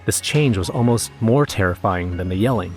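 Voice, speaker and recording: A man's voice: on the low side, expressive, moderate pace, soft background music, natural voice. An actor playing an anxious young man who narrates his own horror story in a scripted audio drama. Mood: uneasy, tense. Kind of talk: first-person scripted horror narration with acted dialogue.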